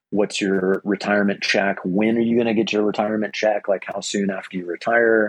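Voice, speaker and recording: In a dry, close sound with no echo, a man with an American accent speaks fairly quickly and fairly low, with monotone, flat intonation and hardly any pauses. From California. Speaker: retired Marine officer, contractor. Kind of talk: interview conversation.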